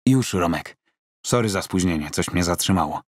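A man voicing a blunt, weary middle-aged fight trainer in an audiobook, curt and gruff. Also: sits low, expressive, normal speed, dry recording, clean studio sound. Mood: brisk, curt.

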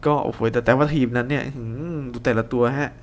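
A young man giving casual, excitable gameplay commentary and teasing his co-player. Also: mid-range voice, quick pace. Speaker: game commentator. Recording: faint background noise.

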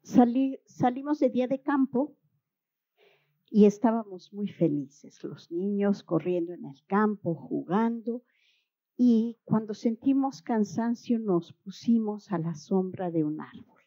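A woman talks on a panel in an informal, thinking-aloud way. Her voice is slow, husky and dark. The recording sounds dull and lo-fi. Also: medium pitch, lively intonation. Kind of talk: panel talk and storytelling.

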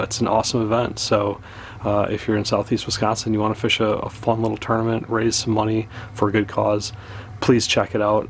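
A man in his thirties hosting a casual fishing vlog, talking in a relaxed, rambling way with lots of "uh"s. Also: lowish voice, vocal fry, a little hiss or hum. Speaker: fishing channel host. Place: open boat on a windy lake, outdoors.

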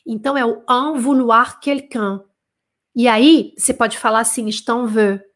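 Brazilian woman French teacher, slightly high voice, chatty, drills phrases slowly, keeps checking in. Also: fairly even intonation, a bit bright. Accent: Brazilian Portuguese. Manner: casual, checks in with tag questions, slows down to model French phrases. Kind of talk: live online language lesson.

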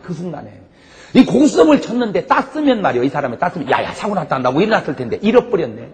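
A man preaching a humorous revival sermon as a pastor, telling animated stories with frequent laughter. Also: sits high, quick pace. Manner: animated storytelling with frequent laughs and shouted punchlines. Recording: long hall reverb, faint background noise.

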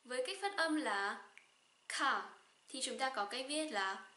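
A young woman from Vietnam with a Northern Vietnamese accent, teaching a slow pronunciation lesson and saying each example word twice. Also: sits high, lively intonation, sharp tone, echoey room. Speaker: German teacher.

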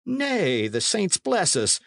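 A man's voice: high voice, wildly swooping pitch, takes it slowly, gravelly, a bit bright, dry recording, clean studio sound, voice pushed up, full character voice. A man reading a storybook as a flustered medieval innkeeper, protesting in archaic speech.

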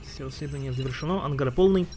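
A man's voice: medium pitch, rapid-fire, a little mellow, faint music behind. A man giving casual gameplay commentary as a streamer, thinking aloud and muttering asides while he plays. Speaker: game streamer.

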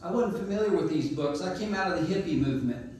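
Man, church speaker, folksy and loud, a bit high-pitched, recorded from a distance in a very echoey hall. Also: animated, fast. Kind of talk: informal sermon talk. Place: church sanctuary.

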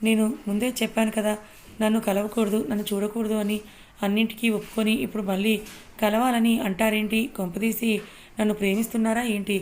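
A woman voicing a guarded young married woman who speaks in a sharp, reproachful way, read as part of a told story. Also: medium pitch, flat delivery, a little fast, natural voice.

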